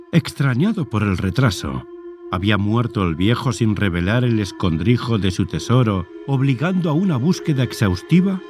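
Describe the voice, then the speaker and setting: Man narrating horror with lively, swooping intonation. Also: on the low side. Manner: measured, literary storytelling. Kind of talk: scripted horror story narration.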